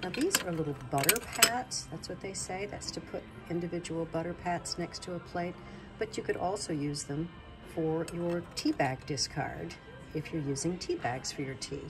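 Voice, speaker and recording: A middle-aged woman hosting a vlog, explaining in a gentle, measured way, sounding nasal from a cold. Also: lowish voice, over music. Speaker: vlog host. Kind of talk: casual instructional vlog. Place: antique mall, indoors.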